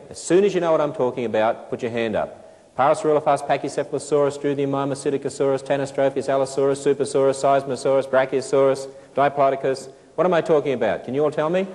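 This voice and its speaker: A man in his thirties with an Australian accent, giving a playful, animated lecture to a live audience and quizzing them with questions. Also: medium pitch, long reverb tail. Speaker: speaker addressing a children's audience. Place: large auditorium stage with potted plants.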